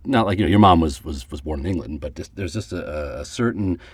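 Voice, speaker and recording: A man hosts a casual chat in a halting way and laughs easily. His voice is very deep and husky. It sounds close and dry, with no room echo. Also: lively intonation. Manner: halting, quick to laugh and affirm. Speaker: podcast host.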